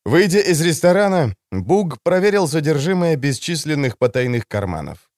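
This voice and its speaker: A man narrating an audiobook in an expressive, wry storytelling manner. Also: a little high, moderate pace, no room sound, clean studio sound. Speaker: audiobook reader. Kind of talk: scripted narration.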